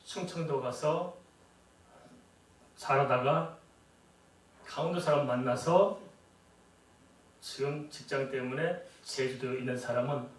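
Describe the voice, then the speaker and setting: Korean pastor preaching in an echoey hall. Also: male voice, medium pitch, slow, pauses often. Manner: conversational preaching with rhetorical questions and asides. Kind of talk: sermon. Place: church sanctuary. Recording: echoey church hall, voice from a distance.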